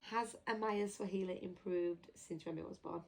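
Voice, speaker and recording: Chatty woman, lowish voice. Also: fairly even intonation, normal speed, gravelly, a little mellow, poor audio. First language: English. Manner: chatty, laughs easily, teasing asides. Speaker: parent vlogger answering viewer questions. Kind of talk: casual chat.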